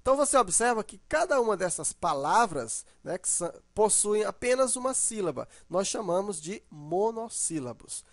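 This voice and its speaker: A man's voice: high voice, very animated, normal speed, hardly any pauses, dry recording. Guy teaching a grammar lesson, patient, stretches words out to show stress, keeps checking in, dry close sound. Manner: patient and explanatory, asks "né?" and "ok?" often; draws out example words to show the stressed syllable.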